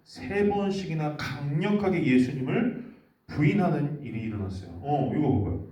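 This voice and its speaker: A man's voice: a little high, big pitch swings, normal speed, dark tone, reverberant, far from the mic. A man giving a children's sermon, telling a story and quizzing the kids with questions. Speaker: children's ministry preacher.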